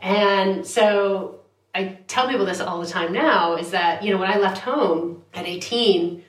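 A woman's voice: medium pitch, unhurried. Chatty woman in an echoey room. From United States. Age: 40s. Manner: chatty, laughing, self-deprecating asides. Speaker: guest, journalist. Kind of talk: casual interview. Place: London.

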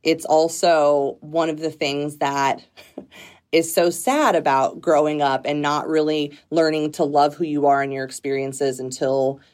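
A woman from Southern California with a low voice, speaking as a guest in a relaxed interview. She talks in an open, reflective way and laughs easily. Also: unhurried. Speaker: nonprofit executive director, guest. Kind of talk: casual conversational interview.

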